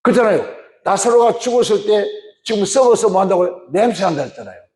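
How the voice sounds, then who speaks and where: A man's voice: high-pitched, expressive, fast, a little mellow. A male pastor preaching a sermon, often questioning the congregation. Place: church. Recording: echoey church hall.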